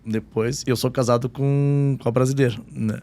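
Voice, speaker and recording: A man's voice: medium pitch, fairly even intonation, normal speed, dark tone. A man who was born in Jordan and grew up in southern Brazil, hosting a podcast interview as a law professor and chatting casually. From born in Jordan, raised in Rio Grande do Sul.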